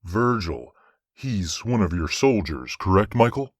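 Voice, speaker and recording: Low male voice actor as a stern, fair archangel judge, formal and measured, fantasy audio drama, close dry sound. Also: sing-song, husky, no echo, exaggerated voice. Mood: stern questioning.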